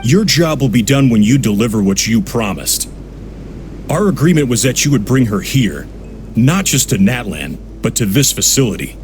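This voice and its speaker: A man voicing a cold, businesslike villain boss in a video game, formal, measured and calmly threatening. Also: medium pitch, faint music behind, lightly acted. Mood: coolly commanding.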